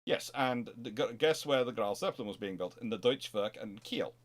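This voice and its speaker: A man hosting an unscripted history talk, answering questions in a rambling, halting way as he thinks aloud. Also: medium pitch, lively intonation. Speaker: host answering audience questions.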